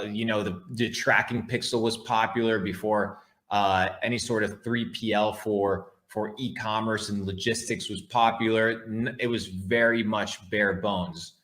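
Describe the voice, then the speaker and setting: Low-voiced, brash crypto bro guy. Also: fairly bright tone. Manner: emphatic, repeats key words for effect; blunt, casually profane. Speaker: livestream host, online entrepreneur. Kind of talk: casual motivational livestream monologue.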